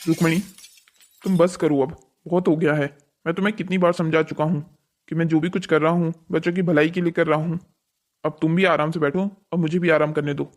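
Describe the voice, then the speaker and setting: A man's voice: a little high, fairly even intonation, brisk, lightly acted. A man voicing a strict, unyielding father and husband in a cartoon story, firm and lecturing. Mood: firm, irritated. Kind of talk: scripted cartoon story dialogue.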